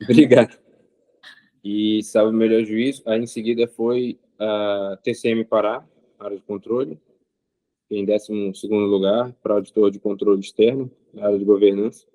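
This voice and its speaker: A man, an interview guest speaking in a measured way with frequent pauses and filler sounds. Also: lowish voice, level tone, dark tone, no echo. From Rio de Janeiro state, Brazil. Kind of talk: casual interview answers.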